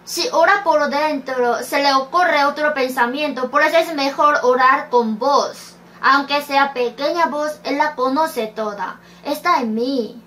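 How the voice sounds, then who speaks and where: A woman's voice: sits high, a little slow, sharp tone. A woman preaching a sermon, reading scripture verses aloud and asking rhetorical questions. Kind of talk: slow sermon.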